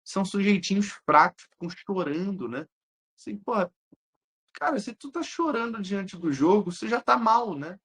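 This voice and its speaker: A young man with a Brazilian Portuguese accent, an exam-prep teacher talking casually with his students, blunt, slangy and quick to swear. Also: sits high, lively intonation, a bit bright, husky. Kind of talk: casual live chat answering students.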